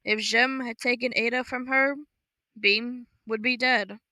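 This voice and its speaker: A woman narrating a story from a script in a measured, even way on a close mic. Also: fairly high pitch, no echo. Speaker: audiobook narrator.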